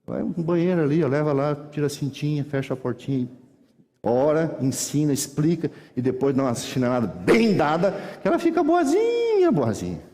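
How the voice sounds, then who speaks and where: A middle-aged man preaches from the pulpit. His fairly high voice tells homely stories with lively energy and acts out the people in them. Long reverb from the church hall trails every line. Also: fairly quick. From Brazil. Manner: animated folksy storytelling, acts out voices. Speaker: pastor. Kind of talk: sermon.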